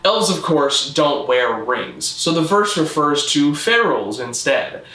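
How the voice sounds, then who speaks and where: A man narrating a scripted mock-documentary explainer in a formal, measured, deadpan manner. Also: on the high side, reverberant, rough recording. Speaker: presenter of a constructed-language video.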